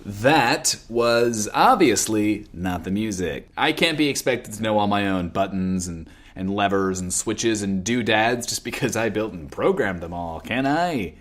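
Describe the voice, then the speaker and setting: Cocky bunker radio DJ, animated delivery. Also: male voice, on the low side, a little slow, few pauses, faint music behind. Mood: sardonic, mock-concerned. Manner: showy, sardonic, mock-boastful patter. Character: cocky, self-absorbed male post-apocalyptic bunker radio host. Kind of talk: comedic audio drama radio DJ acting.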